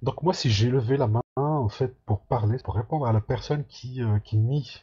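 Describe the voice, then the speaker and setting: A man's somewhat breathy voice at a fairly slow pace, with ordinary pitch variation, a dry, close sound without echo, and a quiet background. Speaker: participant in open online debate. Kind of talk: debate. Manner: halting, many hesitations.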